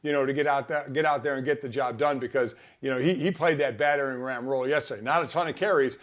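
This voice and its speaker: A man's voice: medium pitch, fast talker. An American man giving conversational sports commentary as a co-host and analyst on a talk show.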